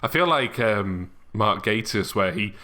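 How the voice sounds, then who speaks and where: A man's voice: fairly low pitch, expressive, measured pace, sharp tone. Bantering man. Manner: bantering, self-deprecating. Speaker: podcast host and audio drama creator. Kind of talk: casual chat.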